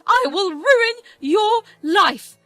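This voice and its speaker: Woman doing a shrill scheming mother-in-law, way higher than her own voice, loud and nasty, faint music behind. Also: expressive, moderate pace, gravelly, no echo, full character voice. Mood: venomous. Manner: shrill, sobbing, venomous.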